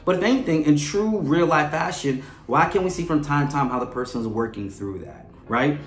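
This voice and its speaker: A man's voice: fairly high pitch, brisk. A man hosting a fan show with conversational commentary, chatty and often checking in with a questioning tag at the end of his points. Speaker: host of a soap opera fan show. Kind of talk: conversational character analysis commentary. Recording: roomy echo with music underneath. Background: background music.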